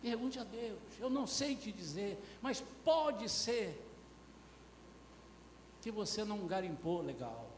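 A man preaching a sermon with passion, firing rhetorical questions and swinging between loud and soft. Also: high-pitched, animated, takes it slowly, pauses often. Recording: echoey church hall with faint noise.

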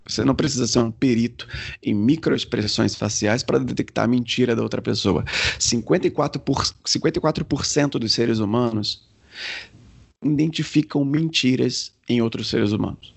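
A man coaching on communication as a podcast guest, explaining in a deliberate way and demonstrating changes in his own pitch and pace. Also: creaky, breathy edge.

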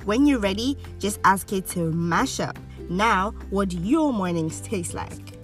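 A woman's voice: medium pitch, lively intonation, a little slow, recorded from a distance. A woman voice-over artist reading scripted advertising copy. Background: music.

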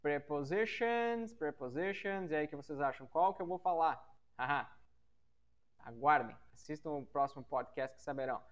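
A man teaching an English grammar lesson on a podcast. He repeats his example sentences slowly and keeps checking that listeners follow. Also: a little high, fairly even intonation. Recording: dull, muffled lo-fi audio.

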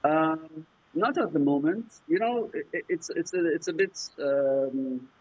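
A man from Jordan whose first language is Arabic, answering interview questions in a halting way, with many fillers and restarts. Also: on the high side, a little mellow, breathy edge, no room sound. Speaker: startup founder, guest. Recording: muffled lo-fi remote audio.

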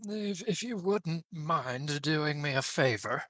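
Casting: unhurried player, close dry sound, terse replies on a call. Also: mid-range voice, animated, a bit bright, dry recording. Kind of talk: casual tabletop play. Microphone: remote voice call.

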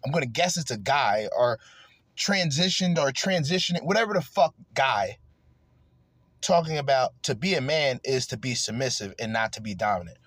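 A man's voice: mid-range voice, expressive, moderate pace, fairly bright tone, husky, dry recording. A man hosting a podcast, ranting crudely and angrily in heated commentary. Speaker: podcast host.

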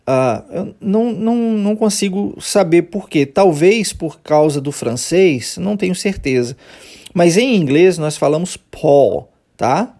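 Brazilian Portuguese-accented male English teacher, warm mellow tone, slightly high, patient explainer full of fillers. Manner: explains patiently, models English phrases slowly for repetition; frequent fillers like "né" and "tá". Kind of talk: podcast language lesson.

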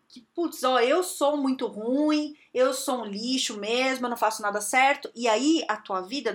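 Woman podcast host, Brazilian Portuguese accent, somewhat high voice, direct chatty advice. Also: fairly bright tone. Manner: direct and conversational, checking in with the listener often. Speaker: podcast host and career adviser.

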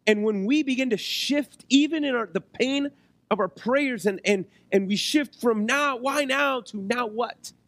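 A male preacher with a fairly high voice that sounds hoarse and worn. He delivers his sermon conversationally, putting short questions to the congregation as he goes. The sound is dry and close on the microphone. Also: measured pace, fairly bright tone, dry recording. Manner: conversational, checks in with rhetorical questions. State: hoarse, losing his voice, occasional cough.

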